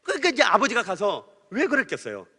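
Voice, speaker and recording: Animated, bright-voiced male preacher in a reverberant hall. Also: sits high, quick pace, breathy edge. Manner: animated, swings from hushed storytelling to loud outbursts. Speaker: pastor. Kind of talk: sermon with storytelling.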